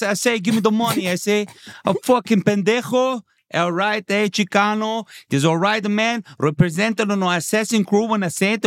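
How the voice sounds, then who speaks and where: A man's voice: high-pitched, no room sound, studio quality, pitched above the performer's own voice. A man voicing a foul-mouthed Latino street mugger who curses and threatens in mock American English.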